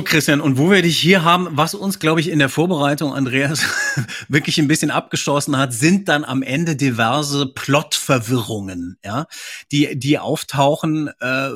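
A man's voice: medium pitch, fairly bright tone, slightly rough, no room sound, studio quality. A man hosting a casual podcast discussion, hesitant and full of filler words. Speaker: podcast host.

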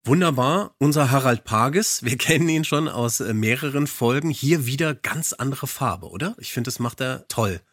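A man's voice: medium pitch, expressive, moderate pace, few pauses, a bit bright, no echo, studio quality. A man co-hosting a podcast, casually and enthusiastically reviewing in conversation. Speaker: podcast co-host.

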